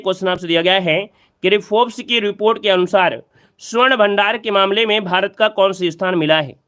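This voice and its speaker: A man's voice: high-pitched, bright, forceful tone, smooth. A man teaching an exam practice lesson, quizzing the listener and repeating each key answer.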